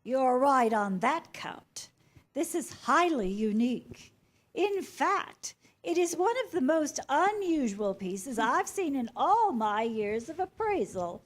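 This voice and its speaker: A woman plays a pompous antiques appraiser in a staged comedy. The voice is high and swoops expressively, while the delivery is slow, formal and condescending. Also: very animated, heavily acted. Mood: pompous, impressed.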